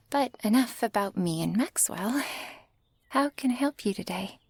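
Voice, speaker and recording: A woman's voice: on the high side, lively intonation, slow pace, no room sound. A woman playing a friendly flower shopkeeper in a whispered ASMR roleplay. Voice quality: soft breathy whisper. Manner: friendly, softly welcoming.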